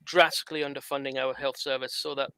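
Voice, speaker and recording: A man's voice: medium pitch, little pitch movement, fast, gravelly, pushed and bright. A man from Scotland co-hosting a casual podcast chat, teasing with dry humor. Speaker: podcast co-host.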